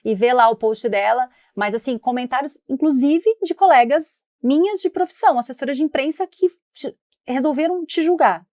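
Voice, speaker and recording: A woman hosting a podcast, a press officer talking in a chatty, expressive way. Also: sits high, normal speed, no room sound, clean studio sound. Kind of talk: casual interview talk.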